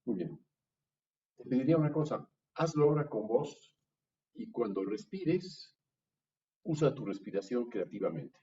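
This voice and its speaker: A man with a Mexican accent, a music workshop teacher patiently coaching a student through a vocal improvisation exercise in halting, encouraging phrases. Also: mid-range voice, sing-song, dark tone. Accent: Mexican Spanish. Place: university music classroom. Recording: dull, distant room recording with faint noise.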